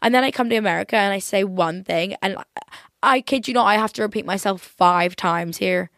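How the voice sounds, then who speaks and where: A young woman with a softened Northern Irish accent, chatting casually in a rambling, exaggerating way as a podcast host. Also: medium pitch, fairly quick, gravelly, dry recording, clean studio sound. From Northern Ireland. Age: young adult.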